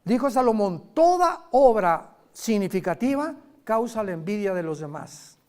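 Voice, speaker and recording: A man preaching a sermon in a lively, conversational way, with sudden loud emphasis and quick asides. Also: high voice, clear, resonant tone.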